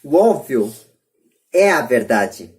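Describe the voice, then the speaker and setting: A Brazilian man hosting a podcast debate, speaking earnestly and emphatically with halting, repeated phrases. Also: mid-range voice, big pitch swings, a little mellow. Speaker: podcast host.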